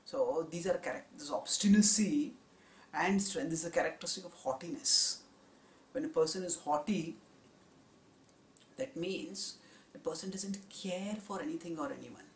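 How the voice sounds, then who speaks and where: A man giving a spiritual discourse on scripture, in a measured, explanatory teaching tone. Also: on the high side. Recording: roomy echo.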